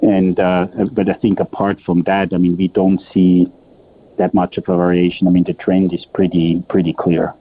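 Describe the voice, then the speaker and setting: A man speaking as a company executive, giving halting, explanatory answers on an earnings call and often repeating words as he goes. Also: sits low, completely flat delivery, a little hiss or hum. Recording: muffled, narrow-band phone conference line.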